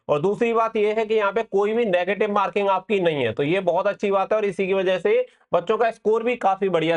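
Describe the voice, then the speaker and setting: A man hosting an exam-prep update, explaining things to students step by step and repeating key points. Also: high-pitched. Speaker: exam-prep channel host.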